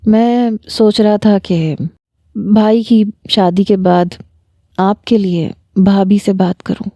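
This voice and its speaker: A woman voicing a smitten young male doctor who speaks softly and earnestly, read out in a story. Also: mid-range voice, steady tone, no room sound, close to an everyday voice. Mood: pleading. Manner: soft, coaxing and earnest. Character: young man, a smitten doctor, gentle and persistent. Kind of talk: story narration.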